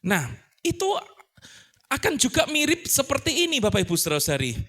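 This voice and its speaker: A man's voice: extremely high pitch, brisk. A man pastor preaching a sermon, asking rhetorical questions and acting out voices as he explains. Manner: animated, rhetorical questions, acts out quoted voices.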